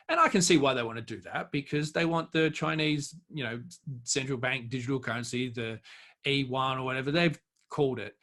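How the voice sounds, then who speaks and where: A man's voice: medium pitch, a bit bright. A man speaking as a guest expert in an interview, giving emphatic, argumentative commentary in an unscripted way.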